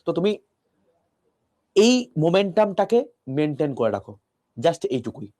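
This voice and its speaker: A male physics teacher speaks quietly and close to the mic, his voice mellow and a little higher than most men's. He walks students through each idea with patient questions. The delivery is soft and steady, like an online class lecture. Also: normal speed. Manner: talks softly to a close mic, explaining step by step with rhetorical questions.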